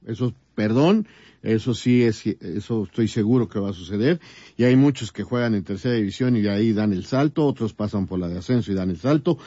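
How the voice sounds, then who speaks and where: A man with a low, mellow voice talks sports in a studio, emphatic and repetitive. The sound is dry, close and a bit muffled. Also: fairly quick, no room sound. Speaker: sports show panelist. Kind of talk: casual studio discussion.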